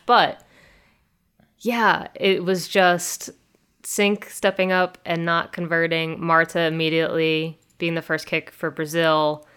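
A woman's voice: low voice, fairly bright tone, clear, resonant tone. A woman hosting a casual sports podcast, chatty and thinking aloud with fillers as she recaps matches. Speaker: soccer podcast host.

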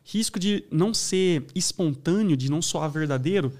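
A man talking in a casual podcast chat, an animated storyteller who says "né" and "daí" a lot. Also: a little high, moderate pace. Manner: animated storyteller, acts out voices.

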